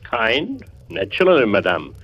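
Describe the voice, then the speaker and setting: A curt, skeptical lieutenant. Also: male voice, lowish voice, wildly swooping pitch, unhurried, breathy edge, full character voice. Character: skeptical German lieutenant, young military aide. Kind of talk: 1940s radio acting. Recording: dull old radio recording.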